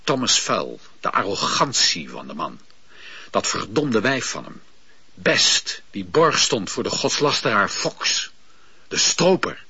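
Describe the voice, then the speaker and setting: Husky man narrating an old radio play. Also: on the low side, very animated, bright, forceful tone. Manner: measured storytelling. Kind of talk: scripted radio drama narration. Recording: dull, dry lo-fi old radio recording.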